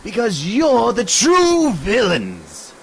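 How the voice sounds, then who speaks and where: Killer clown villain: very high, slow, mocking and menacing, radio drama, noisy background. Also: male voice, wildly swooping pitch, gravelly, heavily acted. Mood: mocking menace. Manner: taunting, sing-song, swinging from hush to shriek. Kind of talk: superhero radio drama acting.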